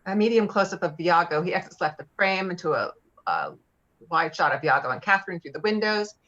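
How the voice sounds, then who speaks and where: A woman with a somewhat low voice reads out camera and stage directions. Her delivery is plain and halting, and the recording is a little lo-fi. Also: animated, fairly bright tone. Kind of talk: reading screenplay directions at a table read. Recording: slightly dull, lo-fi audio.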